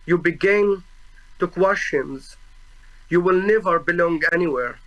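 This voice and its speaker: Young man, arabic accent, non-native english, slightly high voice, very slow halting delivery, solemn formal testimony. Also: fairly bright tone, dull audio. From Gaza, Palestine. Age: 20s. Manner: halting, searching for words, with frequent restarts and fillers; solemn and earnest. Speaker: witness testifying at a tribunal.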